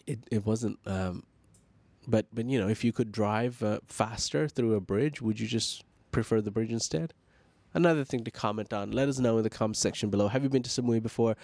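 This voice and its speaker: A man's voice: lowish voice, a little mellow, no room sound. Nasal-sounding male news host. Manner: fluent news read, then chatty with fillers and restarts. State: congested, nasal voice. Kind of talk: reading news, then casual sign-off chat.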